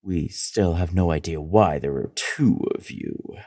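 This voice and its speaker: An actor playing a pompous, impatient royal priest who recites prophecy with haughty ceremony in a fantasy audio drama. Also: male voice, deep voice, measured pace, mellow, no room sound, studio quality. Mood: haughty, dismissive.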